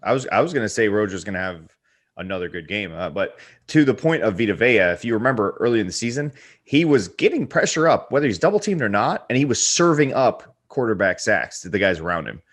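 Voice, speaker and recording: A man's voice: fairly low pitch, very animated, fast. A man co-hosting a podcast, bantering loosely and playfully with casual swearing. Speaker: podcast co-host.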